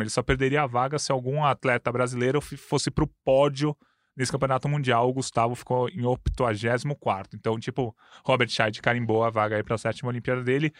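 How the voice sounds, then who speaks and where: A man in his thirties with a Brazilian Portuguese accent, talking sports in a casual chat, quick and full of stats. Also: medium pitch, no room sound, clean studio sound. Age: 30s. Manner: quick, detailed stats-heavy talk. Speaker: sports commentator.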